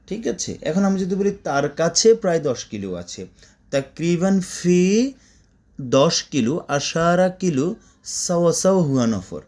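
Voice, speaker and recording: A man's voice: fairly high pitch, sing-song, moderate pace, a little mellow. A man teaching spoken Arabic to Bengali speakers, repeating words in drills and breaking off into chatty asides.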